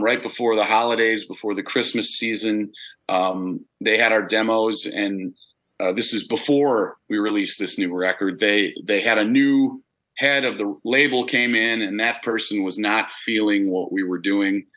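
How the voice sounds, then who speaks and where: Casting: male rocker, big forceful lowish voice, easygoing chat with fillers. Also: moderate pace, poor audio. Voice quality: big-sounding voice. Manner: relaxed, rambling with fillers and restarts. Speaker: rock singer interviewed as guest. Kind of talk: casual interview answers.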